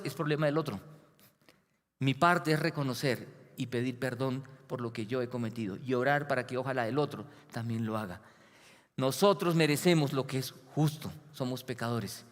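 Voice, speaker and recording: A male pastor delivering a sermon, animated and building to emphatic peaks. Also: mid-range voice. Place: church hall. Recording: long reverb of a church hall.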